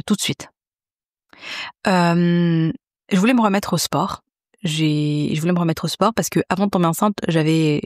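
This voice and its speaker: A woman's voice: on the low side, no echo, studio quality. A woman, hosting a podcast in a chatty, confiding way, full of fillers and restarts. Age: 30s. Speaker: podcast host. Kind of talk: casual chat.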